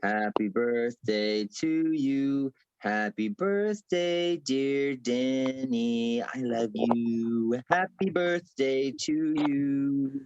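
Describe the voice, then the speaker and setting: A man's voice: mid-range voice, drawn-out words, few pauses, darkish tone, smooth. A man at a table read playing a sheepish, apologetic young boyfriend over a roomy, muffled video call. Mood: soft, hesitant.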